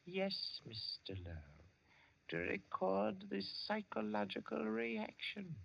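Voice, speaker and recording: A man's voice: high voice, huge pitch swings, takes it slowly, gravelly, a bit bright, full character voice. A man acting in a 1940s radio drama as a wealthy elderly Hindu uncle, courteous and insinuating, speaking with formal deliberation. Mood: speculative, insinuating. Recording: dull vintage 1940s radio recording.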